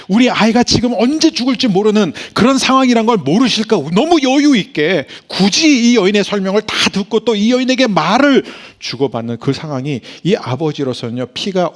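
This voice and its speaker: A middle-aged male pastor preaching a sermon, swinging from hushed whispers to loud, emphatic bursts. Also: sits high.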